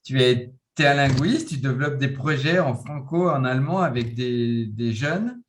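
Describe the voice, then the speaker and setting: A man's voice: mid-range voice, normal speed, slight background noise. A man moderating an online round table over a video call, friendly and informal, speaking with some hesitation.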